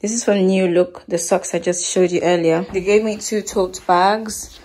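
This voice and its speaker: A woman's voice: fairly low pitch, fairly even intonation, a little mellow, poor audio. A woman in her twenties from Nigeria, with a Nigerian accent, chatting casually as a vlogger into a phone held at arm's length. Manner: chatty, quick asides. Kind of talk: casual vlog chat.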